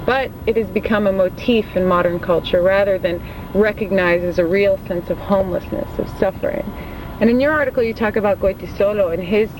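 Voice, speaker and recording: Hesitant student asking a question. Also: mid-range voice. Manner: careful and hesitant, with fillers. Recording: clear background noise.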